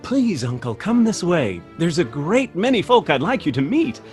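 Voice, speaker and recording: An actor playing a hospitable younger nephew hosting a party, effusive and welcoming, in a theatrical radio play. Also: male voice, high voice, sing-song, moderate pace, a little mellow, faint music behind. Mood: delighted welcome.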